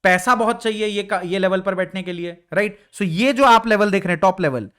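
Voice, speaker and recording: A man's voice: high voice, fairly quick, fairly bright tone, clear, resonant tone. A young man teaching an exam revision lecture in a casual explaining way, asking his students questions. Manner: casual explaining, mixing Hindi and English, asks students questions.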